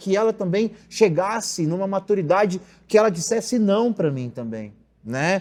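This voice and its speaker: A high-pitched man with a dark, mellow tone speaks at a moderate pace. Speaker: former drug addict and homeless person, church testimony guest. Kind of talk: interview answer, personal testimony.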